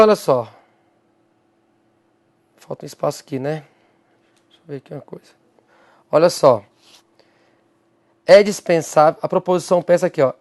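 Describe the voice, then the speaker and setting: A man's voice: a little high, a little mellow. A man with a Brazilian Portuguese accent teaching an exam-prep lecture, explaining step by step and answering his own rhetorical questions to an imagined student.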